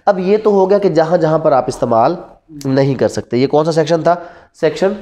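Speaking a little fast in a slightly high, dark-toned voice, a Pakistani-accented law teacher in his thirties lectures indoors before a whiteboard. He mixes Urdu with English terminology, asking rhetorical questions and going back over key terms.

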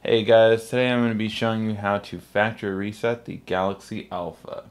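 A man hosts a casual tech tutorial, walking the viewer through it step by step and spelling out his name letter by letter at both the intro and sign-off. His voice is low, fairly flat in pitch, a little fast and clean.

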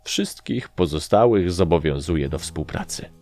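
A man's voice: low voice, animated, normal speed, darkish tone, soft background music. A man voicing a nervous, gloomy army captain in an audiobook, speaking in a sad, weary tone.

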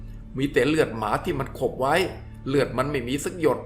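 A man voicing a cold, deadpan adult hunter who speaks in flat, curt, clipped sentences. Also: medium pitch, moderate pace, faint music behind, close to an everyday voice.

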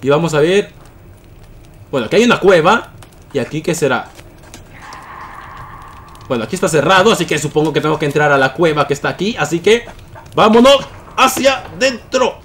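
Young male gamer, high voice, loud and excitable, close mic. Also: brisk, pauses often, slight background noise. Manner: excitable, yelling at enemies in bursts. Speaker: gaming YouTuber. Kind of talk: gameplay commentary.

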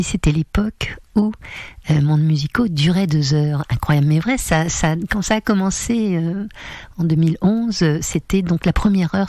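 A woman's voice: low-pitched, mellow, dry recording. A woman radio host closing her show, addressing the listeners directly and hesitating as she speaks. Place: radio studio.

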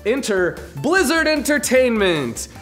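A man's voice: extremely high pitch, very animated, slow, fairly bright tone, faint music behind. A young man co-hosting a scripted comedy explainer in a small studio, jokey and playful with exclaimed bits. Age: young adult. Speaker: co-host.

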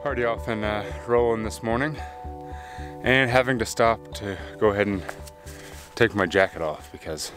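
A man, talking casually into a handheld camera outdoors while thru-hiking, upbeat but trailing into low mutters. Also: normal speed, over music. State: slightly winded from climbing. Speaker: thru-hiker vlogger. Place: outdoors in open desert. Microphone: handheld camera at arm's length.

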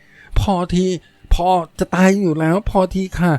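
A man's voice: a little fast, no echo, close to an everyday voice. A man doing a coy, teasing young woman. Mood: breathless protesting. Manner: raised pitch, soft and coy.

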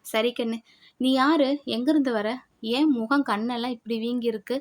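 A woman's voice: fairly high pitch, steady tone, normal speed, lightly acted. A woman voicing a lonely, kindly elderly village grandmother who fusses and scolds in a motherly, chatty way. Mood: warm chatting.

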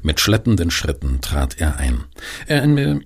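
A man with a husky voice, performing lines for a German horror radio drama. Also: extremely low pitch, very animated, unhurried, heavily acted. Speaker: voice actor.

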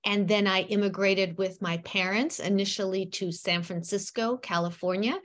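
A woman in her fifties, born in Ukraine and raised partly in the United States, telling stories in an animated way at an author talk, speaking from home on a video call. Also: mid-range voice, moderate pace. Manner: animated, gestures a lot, acts out quotes. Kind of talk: lively storytelling talk. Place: home room with bookshelves. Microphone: webcam on a video call.

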